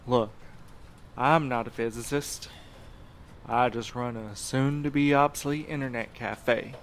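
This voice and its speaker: A man's voice: medium pitch, steady tone, takes it slowly, a little hiss or hum. A man playing a jaded, slangy internet cafe owner in an audio drama, with a brash, casual way of talking. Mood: offhand, impatient. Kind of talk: naturalistic audio drama acting.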